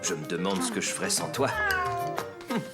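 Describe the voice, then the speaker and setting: Kids' cartoon father: low, swooping intonation, gentle, patient, explains things to little ones. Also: brisk, over music. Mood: kindly. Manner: kindly, explanatory, expressive. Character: gentle, patient young father of small children. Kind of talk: children's cartoon dialogue.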